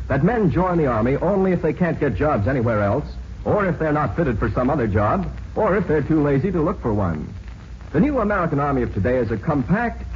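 A man announces a 1940s radio program in a formal, emphatic scripted style. His fairly high voice swings widely in pitch. The old recording is muffled. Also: a little hiss or hum.

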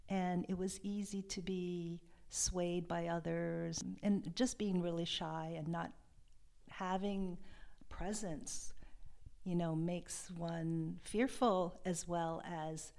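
A woman from Hawaii, a love and sexuality coach, talking in a soft, hesitant and reflective way as an interview guest. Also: fairly low pitch, steady tone, takes it slowly, creaky. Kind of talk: podcast interview.

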